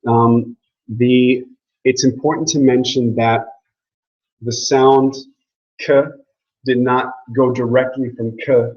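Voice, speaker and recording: A man's voice: mid-range voice, flat delivery, slow, pauses often, darkish tone, muffled recording. A man giving a casual classroom lecture on language, joking and asking the class questions. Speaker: language teacher.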